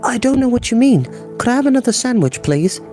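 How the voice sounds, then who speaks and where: A young storybook boy, acted by a male reader, pitched well above the reader's usual voice. He sounds polite and innocent, with quiet defiance underneath. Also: big pitch swings, a little fast, soft background music. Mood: polite innocence. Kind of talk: dramatic audiobook character reading.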